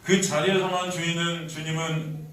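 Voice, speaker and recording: Korean male pastor, Seoul accent, impassioned sermon with sudden loud and soft turns, recorded from afar in a reverberant sanctuary. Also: fairly high pitch, flat delivery, normal speed. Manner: dramatic swings from soft to loud, acting out voices. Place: church sanctuary. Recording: echoey church hall, mic at a distance.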